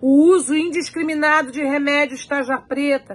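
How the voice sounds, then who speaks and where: This woman talks at a fairly slow pace in a high voice. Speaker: university lecturer. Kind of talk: lecture. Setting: online class video.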